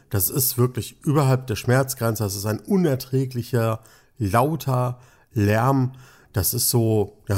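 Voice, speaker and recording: A man teaching about the voice and singing technique in a lively explanatory lesson, stretching words and varying his pitch for emphasis.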